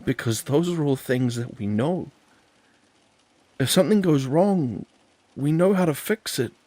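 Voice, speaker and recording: A man's voice: mid-range voice, a little slow, creaky, darkish tone, slightly rough, no room sound, pitched above the performer's own voice. A man voicing an anxious young man who stammers and defends himself to his partner. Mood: urgent.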